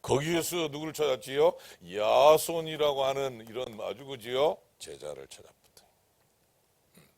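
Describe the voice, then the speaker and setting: A man preaching a sermon as pastor, who swings from loud, emphatic declarations to hushed whispers and keeps asking the congregation questions. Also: medium pitch, expressive, normal speed, no room sound. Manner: asks the congregation rhetorical questions. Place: church sanctuary.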